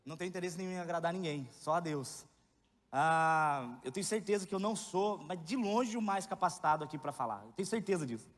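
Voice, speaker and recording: Brief: male preacher, thirties, high-pitched voice, joking candid delivery, church hall with long reverb. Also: lively intonation, a little fast. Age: 30s. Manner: candid, joking, rising to loud emphatic outbursts. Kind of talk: sermon.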